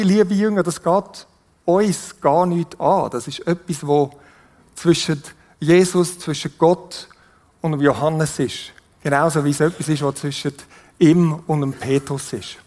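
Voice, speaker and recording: A man's voice: high voice, a little mellow. A man with a Swiss German accent preaching a sermon in an earnest, conversational way, often putting questions to his listeners.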